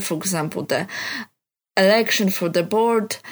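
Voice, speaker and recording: With a non-native accent and vocal fry, a woman speaks at a medium pitch with ordinary pitch variation. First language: not English. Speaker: youth project volunteer and podcast co-host. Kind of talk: casual podcast chat.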